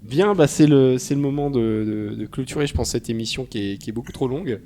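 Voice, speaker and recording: A man hosting a podcast in relaxed, casual chat. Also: mid-range voice, brisk, a little hiss or hum. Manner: relaxed, chatty, wraps up the show. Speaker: podcast host.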